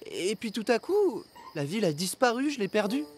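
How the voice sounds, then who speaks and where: Woman as a folksy mid-pitched cartoon traveller. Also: very animated, normal speed, a little mellow, close to an everyday voice. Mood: puzzled. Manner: musing aloud to herself. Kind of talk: animated children's series dubbing.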